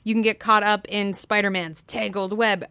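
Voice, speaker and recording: A woman's voice: medium pitch, flat delivery, normal speed, bright, forceful tone, clean tone, dry recording. A woman co-hosting a podcast in a casual, chatty style with playful, joking asides. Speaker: podcast co-host. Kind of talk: casual chatty event preview.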